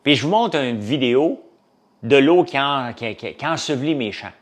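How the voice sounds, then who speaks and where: A man's voice: medium pitch, animated, normal speed. A man with a Québécois French accent, a farmer and business owner, chatting casually to a live audience and rambling from topic to topic with many fillers.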